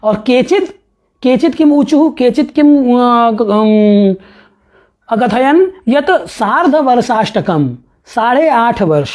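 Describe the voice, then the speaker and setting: A male professor giving a lecture on a classical astronomy text. He reads verses slowly, then explains them with rhetorical questions and chuckling asides. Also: sits high, darkish tone.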